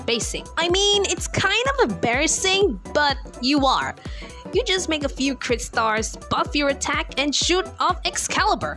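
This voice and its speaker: A woman voicing an anime game heroine in an amateur comic dub. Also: sits high. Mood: teasing.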